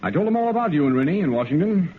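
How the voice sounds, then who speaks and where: An actor playing a brisk army intelligence lieutenant who briefs in a crisp, businesslike manner in a 1950s radio drama. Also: male voice, a little high, big pitch swings, slight background noise. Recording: tinny old radio broadcast.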